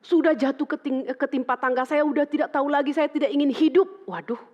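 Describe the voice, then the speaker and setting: A middle-aged woman pastor from Indonesia, preaching through lively stories and acting out the dialogue in quoted voices. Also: high voice, quick pace. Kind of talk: sermon with storytelling. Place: church hall. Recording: dull sound with long church reverb.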